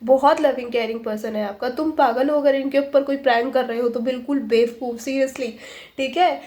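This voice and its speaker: A woman with a high but mellow voice gives a chatty tarot reading to camera. She keeps checking in with the listener and acts out both sides of an imagined couple's conversation. The recording has a noticeable echo from the room. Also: fairly even intonation, normal speed. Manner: acts out imagined dialogue, switching voices for each side. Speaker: tarot reader. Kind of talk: casual intuitive reading to camera.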